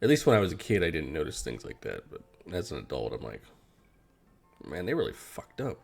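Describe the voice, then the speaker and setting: A man's voice: very deep voice, huge pitch swings, a little fast, gravelly, darkish tone. A man chatting casually about cartoons and games, with casual swearing. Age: adult. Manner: casual, profane. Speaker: podcast host.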